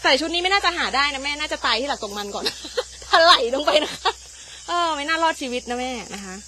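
High-voiced chatty woman hosting outdoors. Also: animated, brisk, background noise. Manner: chatty and teasing, laughing often, thanking viewers for gifts. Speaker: livestream host. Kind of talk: casual live commentary. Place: outdoors at an elephant camp.

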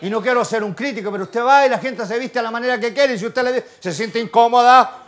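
Older chilean guy preaching, high voice, goes from quiet to shouting, keeps asking the church questions. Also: quick pace. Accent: Chilean Spanish. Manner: fervent, swings from quiet asides to shouted exclamations; rhetorical questions to the congregation. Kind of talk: sermon. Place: church service.

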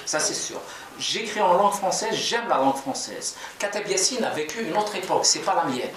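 A man's voice: high-pitched, lively intonation, normal speed, a bit bright, slight background noise. Kabyle-born man talking from afar. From Algeria, Kabylie. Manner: reflective, gestures while talking, many hesitations. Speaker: novelist interviewee. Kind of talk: earnest interview answers. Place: small office indoors. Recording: echoey room from far off, crowd murmur.

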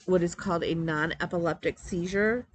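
A woman's voice: fairly low pitch, moderate pace, a little hiss or hum. A woman in her forties with a congested, nasal voice, chatting casually to a webcam at home, rambling with many ums and restarts. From Metro Detroit, Michigan. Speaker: crafting vlogger. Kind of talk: casual chat to camera. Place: home craft room, indoors. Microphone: webcam at desk.

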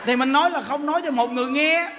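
A man's voice: very high voice, quick pace, big-room sound, very noisy. A man, a Buddhist monk giving a joking, story-filled dharma talk. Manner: joking, storytelling, laughs often.

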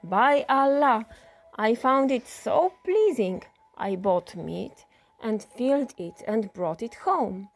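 A woman voicing a proud husband in a storybook tale, speaking slowly and emphatically. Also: a little high, animated, soft background music, exaggerated voice. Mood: pleased. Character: proud man, a poor husband pleased with his find.

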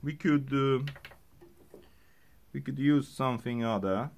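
A man explains a looper step by step, halting with fillers and restarts. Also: mid-range voice, creaky. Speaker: music gear tutorial host. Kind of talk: casual tutorial explanation.

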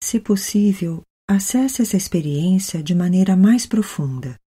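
Brazilian woman, meditation guide. Mellow, husky voice, gentle and unhurried delivery. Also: mid-range voice, lively intonation. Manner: gentle, unhurried, with long pauses. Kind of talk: guided meditation, soothing narration.

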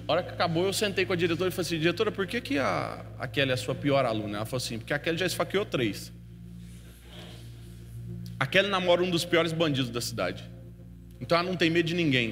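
A man preaching a sermon, telling a story with feeling and swinging from hushed to loud. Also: on the high side, expressive, fast talker. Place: church hall. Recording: long hall reverb with faint music.

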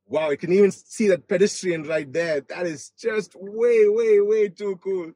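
Husky, enthusiastic man vlogging from a car. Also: high voice, unhurried, warm tone, no room sound. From Australia. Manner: enthusiastic, repeats phrases, hesitant with frequent repetition. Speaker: host of a car test-drive vlog. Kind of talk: casual excited live commentary. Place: inside a moving car.

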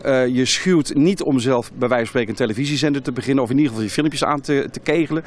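A man's voice: mid-range voice, fast. A man in his forties doing informal street interviews outdoors with a handheld microphone. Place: outdoor market.

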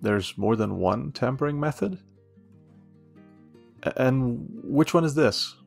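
Guy acting as a sweet protective young man in a romance roleplay, unhurried, bit of fry, soft guitar behind. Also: mid-range voice, lively intonation. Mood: curious, admiring. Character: friendly, protective young male café newcomer, admiring and curious. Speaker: voice actor. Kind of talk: intimate romance audio roleplay. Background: soft guitar music.

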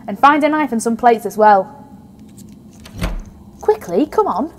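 A woman acting a brisk, wry and obsessive research scientist in a naturalistic audio drama. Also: a little high, expressive, heavy background noise. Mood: brisk, affectionate. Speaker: actor.

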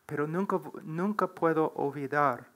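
A middle-aged man speaks slowly and deliberately, his voice sitting a little high. He talks like a preacher, earnest and pressing, and he is seated on a church platform. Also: a bit bright. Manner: slow, earnest, preacherly, building to emphatic exhortation. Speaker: guest preacher on a panel. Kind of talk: answering questions on a church panel. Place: church platform, seated before a large wooden cross.

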